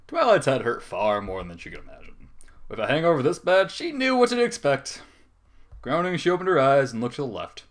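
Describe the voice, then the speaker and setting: A man's voice: a little high, huge pitch swings, fairly quick. A man narrating a comic story in an irreverent, theatrical, sweary manner, dropping in casual asides. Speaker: narrator reading fan fiction.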